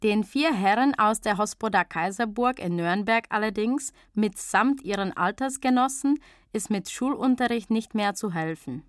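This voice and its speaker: A woman narrates a radio documentary, reading a prepared script in an even, measured voice. Her pitch sits at a middle level for a woman. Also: dry recording, clean studio sound.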